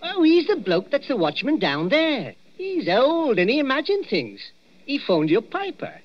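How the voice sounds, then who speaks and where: A man's voice: very high-pitched, wildly swooping pitch, normal speed, full character voice. An actor playing a chatty, jovial male night watchman in a 1940s radio drama, heard on a dull old recording. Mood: chummy. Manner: chummy, chuckling, calls people 'Governor'.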